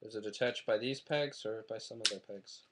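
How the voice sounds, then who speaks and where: A man's voice: lowish voice, moderate pace, heavy background noise. A man chatting casually in a rambling, self-deprecating way while reviewing a toy on his webcam at home. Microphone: webcam mic.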